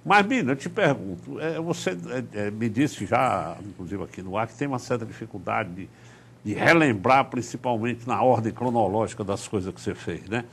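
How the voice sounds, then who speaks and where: A man's voice: medium pitch, animated, moderate pace, a little hiss or hum. A man hosting a conversational interview, attentively agreeing as he goes. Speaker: TV interview host.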